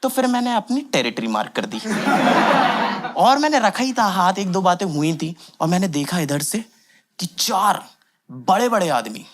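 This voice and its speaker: A man's voice: high-pitched, moderate pace. Young man doing stand-up. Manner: animated storytelling with acted quotes. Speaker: stand-up comedian. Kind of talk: stand-up comedy set. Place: comedy club stage with audience. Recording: loud background noise.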